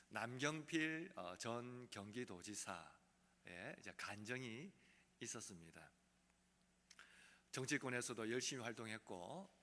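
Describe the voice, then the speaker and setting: A man preaching a sermon as pastor, earnest, swinging from loud emphasis to soft quiet passages. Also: on the low side, vocal fry. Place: church sanctuary. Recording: long hall reverb.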